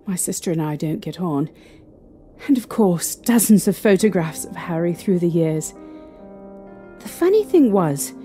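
A woman playing a frightened young mother in an audio drama, recounting a haunting with halting, emotional delivery. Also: medium pitch, dark tone. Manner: halting, emotional storytelling with trembling pauses. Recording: eerie music behind.

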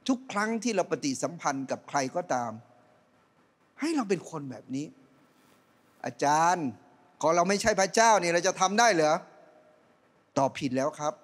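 A middle-aged male pastor preaches from a church stage, holding a handheld mic. His voice sits fairly high for a man and leaps around a great deal, rising to loud calls and dropping to quiet asides. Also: normal speed, pauses often. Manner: animated preaching, swinging between loud rising calls and soft low asides. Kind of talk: sermon.

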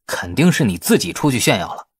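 A man's voice: mid-range voice, big pitch swings, quick pace, slightly rough, dry recording, studio quality. A man voicing a cocky, teasing young businessman in an audiobook, glib and mock-innocent.

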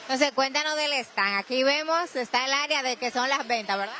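A woman's voice: high-pitched, moderate pace, bright, forceful tone, slight background noise. A young Dominican woman reporting on site at an expo fair with a handheld mic, upbeat and promotional. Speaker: field reporter. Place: indoor expo fair hall, crowd around.

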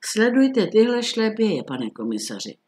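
A man voicing a nervous middle-aged townsman who speaks in an excited, trembling, insistent way. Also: on the high side, lightly acted. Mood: agitated.

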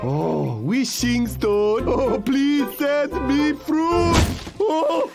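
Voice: high voice, lively intonation, drawn-out words, exaggerated voice. An actor voicing a pompous animal boss in a cartoon, drawling, self-assured but hesitant. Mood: smug, wishful. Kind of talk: exaggerated cartoon dub acting. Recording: loud cartoon music behind.

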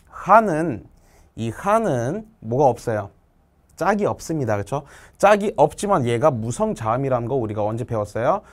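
A male language teacher explaining exam answers step by step, asking questions and answering them himself, and reading example sentences slowly. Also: mid-range voice. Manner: reads Russian example sentences slowly and clearly.

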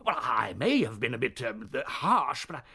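An actor playing a doddering, pompous old chief rabbit in a radio drama, blustering and hesitant. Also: male voice, medium pitch, big pitch swings, moderate pace, pushed and bright, heavily acted. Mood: flustered, placating. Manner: hesitant, blustering, throat-clearing.

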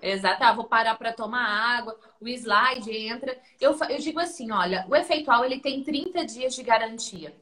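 A woman from Brazil, hosting a live stream about her coaching course and telling stories in an animated way. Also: fairly high pitch, moderate pace, hardly any pauses. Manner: animated storytelling, acts out quotes. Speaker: host and coaching instructor.

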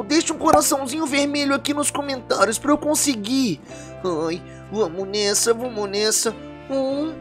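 A woman voicing a sensitive, bullied young boy who whines, sniffles and talks to the viewers in a game roleplay story. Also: high-pitched. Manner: whiny, tearful, talking to viewers.

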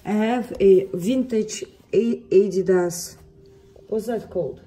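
A young woman with a Russian accent vlogs casually, holding her phone at arm's length as she walks, talking candidly and playfully. Her voice is medium-pitched, warm and husky, and she speaks slowly; the audio quality is poor. The setting moves from home to the gym and then out onto a city street.

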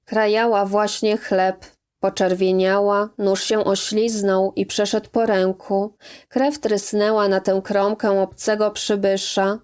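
Slow, measured woman audiobook reader. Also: medium pitch, flat delivery, a little mellow, clear, resonant tone. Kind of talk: audiobook narration.

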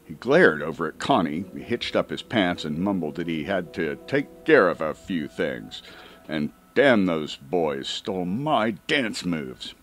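A man reading a comic first-person story as an audiobook, with dramatic emphasis and drawn-out words. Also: low voice, very animated, fairly bright tone. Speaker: audiobook reader.

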